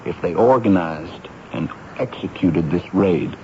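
A formal junior officer, reports matter-of-factly in a fairly low, mellow voice. The 1970s radio drama recording is muffled. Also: male voice, a little slow, a little hiss or hum. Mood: formal, factual.

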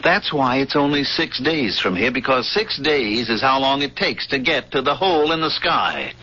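An actor playing a haunted veteran spaceship pilot in 1970s radio drama, pleading and obsessive, with intense, halting, stammered repetitions. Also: male voice, medium pitch, expressive, bright, forceful tone. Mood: haunted, awed. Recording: dull, noisy old radio broadcast.

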